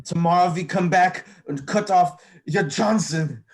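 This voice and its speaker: Man putting on a high-pitched nihilist thug. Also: a little slow. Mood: menacing. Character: menacing, absurd German nihilist thug. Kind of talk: amateur virtual table read.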